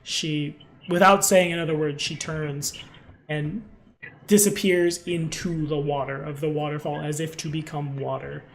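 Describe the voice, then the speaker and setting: A man acting as game master, improvising descriptions in an informal, halting way. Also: fairly high pitch, steady tone, vocal fry, a little hiss or hum, low-quality recording. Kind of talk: improvised tabletop game narration.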